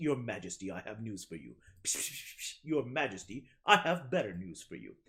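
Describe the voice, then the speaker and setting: Putting on a character voice, a man talks soft-spoken and breathy at a medium pitch and a moderate pace. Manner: whispering.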